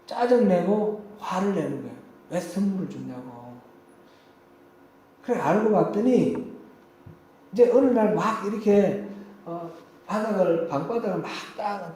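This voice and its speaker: A male pastor preaches in a church hall, and his voice rings out with heavy echo. His pitch sits a little high and moves a lot, but the tone stays mellow and soft-edged. He tells stories in an easy, conversational way. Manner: tells personal anecdotes in a conversational tone. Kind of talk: sermon. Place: church sanctuary.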